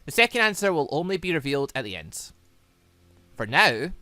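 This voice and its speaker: A man's voice: a little high, big pitch swings, a little fast, pushed and bright, dry recording. A man reading visual novel dialogue aloud as a playful, teasing, cocky mother who stalks people. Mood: cool, challenging.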